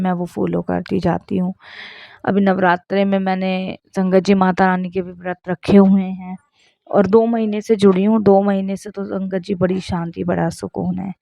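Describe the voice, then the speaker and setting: A woman's voice: mid-range voice, gravelly, mellow, no echo. A woman in her thirties earnestly sharing a spoken devotional testimony, repeatedly addressing her listeners. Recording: dull lo-fi sound.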